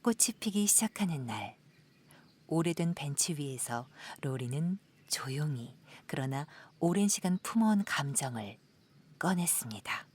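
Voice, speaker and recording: A woman narrating a literary audio drama in a soft, measured, dramatic storytelling style. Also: sits low, animated, breathy edge.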